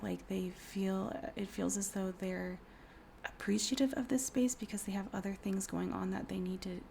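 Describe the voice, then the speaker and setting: A woman in her thirties doing a casual tarot reading, hoarse from a cold, speaking softly and often in a whisper with many fillers. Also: medium pitch, slight background noise. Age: 30s. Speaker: tarot reader.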